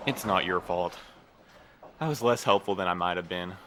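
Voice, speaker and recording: An actor playing a weary, guilt-burdened man in an audio drama, speaking in an earnest, halting way. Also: low voice, background noise, natural voice. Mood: pained, regretful. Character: weary, guilt-burdened man who translates a forbidden language.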